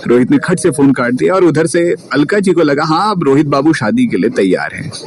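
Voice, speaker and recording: A man narrating a story in a lively, colloquial way. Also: a little high, fairly quick. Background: music.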